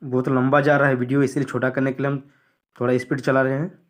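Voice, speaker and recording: A man's voice: medium pitch, flat delivery, quick pace. A man going through a school syllabus on screen, repeating what to study and what to skip in a plain explanatory way. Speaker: teacher.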